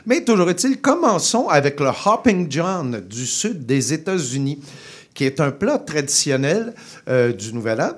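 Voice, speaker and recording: A man's voice: on the high side, sing-song, a little slow. Chatty man on food radio. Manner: chatty, playful, many hesitations. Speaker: food columnist. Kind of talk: radio food chronicle, casual chat. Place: radio studio.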